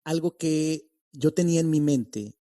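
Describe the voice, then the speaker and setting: Halting, dark-voiced Mexican man hosting. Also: on the high side, no echo, studio quality. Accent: neutral Mexican Spanish. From Mexico City. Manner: reflective, halting with restarts. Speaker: podcast host. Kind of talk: podcast interview.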